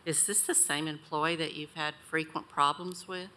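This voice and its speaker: Female board chair, low bright voice, procedural and pointed. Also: steady tone, normal speed, a little hiss or hum. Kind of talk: chairing a public meeting. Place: county board meeting room.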